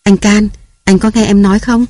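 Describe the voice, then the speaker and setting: Harried young wife and mother, shrill and nagging, raised pitch, put on by the audiobook reader. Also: flat delivery, dark tone, dry recording, clean studio sound, close to an everyday voice. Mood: chatty, coaxing. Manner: shrill, scolding, hurried. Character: harried young mother shouting at her children. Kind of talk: audiobook character voice.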